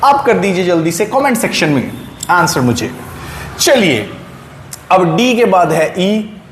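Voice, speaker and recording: A man teaching English pronunciation in a video lesson, drawing out example words slowly and often checking with "right?". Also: high voice, big pitch swings, a little hiss or hum. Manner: slow, drawn-out word examples with frequent checks like "right?". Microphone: writing on a board while talking. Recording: echoey room.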